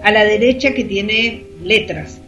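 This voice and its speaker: A woman's voice: mid-range voice, unhurried, lo-fi sound, music in the background. A woman with an Argentine Rioplatense accent co-hosting casual radio chat, hesitant, with many fillers. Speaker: radio co-host.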